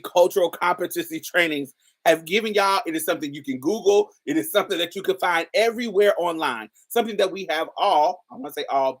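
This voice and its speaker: Deep-voiced woman, chatty and emphatic. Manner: emphatic, chatty, addresses viewers directly. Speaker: host. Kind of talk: casual commentary to camera.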